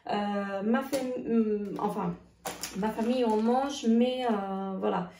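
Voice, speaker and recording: A woman talks through her groceries in a halting, filler-heavy way, her voice gravelly and losing strength. Her tone is mellow and a little high. She sits back from the mic in an echoey room. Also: steady tone, far from the mic, a little hiss or hum. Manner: hesitant, many filler sounds, halting restarts. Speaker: vlogger. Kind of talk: casual grocery haul vlog.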